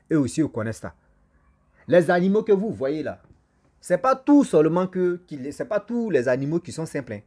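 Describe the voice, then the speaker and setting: Speaking French as a second language, with a local African language as his first, a channel host casually narrates a folk tale for his online audience. His voice is husky, a touch breathy, and slightly high for a man, and he tells it energetically and repetitively, pausing often to address viewers.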